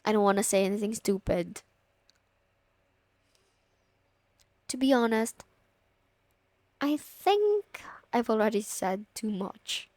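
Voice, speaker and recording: A woman's voice: fairly high pitch, lively intonation, a little slow, darkish tone, no echo. A young woman playing a friend's teasing, bossy older sister in an intimate ASMR audio roleplay, casual and lightly exasperated. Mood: coy, guarded.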